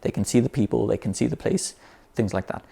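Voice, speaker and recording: Man, lowish voice, relaxed explainer, restarts phrases, says "you know" a lot. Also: fast, gravelly, breathy edge. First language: English. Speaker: language learning teacher. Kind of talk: unscripted explanatory talk.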